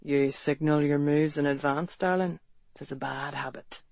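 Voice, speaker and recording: A man's voice: fairly high pitch, steady tone, normal speed, dry recording, lightly acted. An actor playing a bold, protective Victorian London man who talks matter-of-factly and turns coaxing and flirtatious. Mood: teasing.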